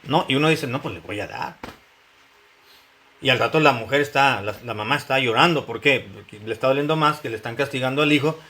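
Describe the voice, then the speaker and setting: Male pastor, bright forceful tone, chatty sermon delivery with questions to the room. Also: medium pitch, fast talker, hardly any pauses. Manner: conversational preaching with questions to the congregation and frequent repetitions. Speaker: pastor teaching a Bible study. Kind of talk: sermon-style Bible teaching to married couples.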